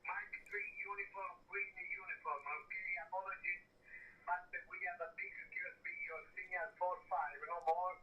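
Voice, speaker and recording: An amateur radio operator calling stations in clipped call-sign style, heard over a shortwave link with static bursts. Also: male voice, high voice, fairly even intonation, normal speed, bright, forceful tone, muffled recording. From Italy. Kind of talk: ham radio contact exchange. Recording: distant radio signal with faint static.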